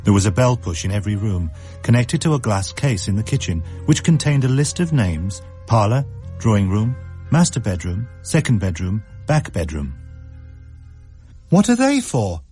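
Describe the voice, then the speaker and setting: A man reading a story aloud in a measured, wry narration. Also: lowish voice, animated, warm tone, soft background music. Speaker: story reader.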